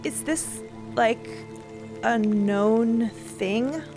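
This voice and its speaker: An actress voicing an emotional, sarcastic woman space explorer in an audio drama, with halting delivery. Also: fairly high pitch, music in the background. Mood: incredulous, searching. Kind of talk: dramatic audio fiction acting.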